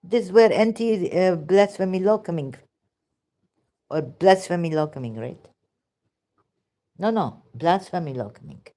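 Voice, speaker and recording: A woman's voice: on the low side, expressive, measured pace, pauses often, warm tone. A woman with a Pakistani accent giving rambling, sarcastic religious commentary in broken English. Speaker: vlogger.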